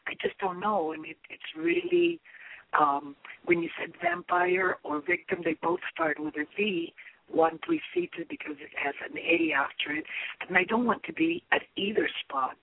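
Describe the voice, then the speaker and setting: A hoarse, raspy woman calls in over a tinny phone line. Her voice sits fairly high and swings widely in pitch, with a gravelly fry under it. She talks in earnest, searching bursts. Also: animated, normal speed, no echo. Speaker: caller. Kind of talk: call-in radio conversation.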